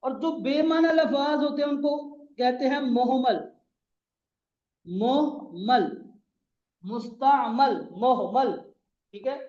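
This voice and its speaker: Speaking a little slowly, this Arabic grammar teacher has a very high voice with a darkish tone and a Pakistani Urdu accent. His classroom lecture keeps repeating terms and spelling them letter by letter, heard through dull lo-fi audio in an echoey room.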